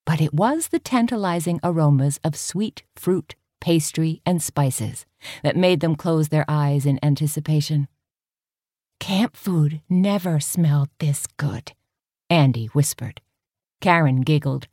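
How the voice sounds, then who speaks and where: A woman reading a novel aloud as an audiobook narrator, in a gentle, even storytelling manner. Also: low voice, unhurried, dry recording, clean studio sound. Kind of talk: scripted narration.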